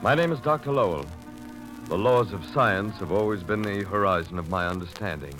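A man's voice: on the low side, lively intonation, music in the background, close to an everyday voice, rough recording. A man playing a stern, rational but troubled doctor, with formal 1940s radio diction on a vintage recording. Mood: grave, bewildered. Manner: formal, grave, measured diction. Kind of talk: 1940s radio drama acting and narration.

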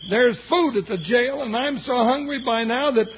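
An actor playing a jolly, hungry cowboy sidekick in an old Western radio drama, with a folksy comic delivery. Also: male voice, very high-pitched, normal speed, breathy edge, heavily acted. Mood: cheerful, comic. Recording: muffled old radio recording, faint noise.

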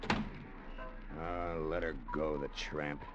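An actor playing a down-on-his-luck male gambler who talks gruff, streetwise slang, in a 1950s radio drama. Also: very deep voice, level tone, drawn-out words, a bit bright, highs cut off, soft background music, heavily acted. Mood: bitter. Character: down-on-luck male gambler, bitter tough talker. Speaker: lead and narrator.

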